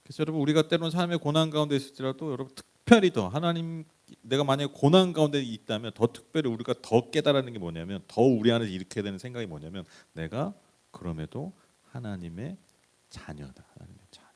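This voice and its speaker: A male pastor giving a conversational Bible-study sermon, swinging from loud emphatic lines to soft hushed ones, with chuckles and frank asides. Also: medium pitch, fast, few pauses. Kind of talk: Wednesday Bible exposition sermon. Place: church.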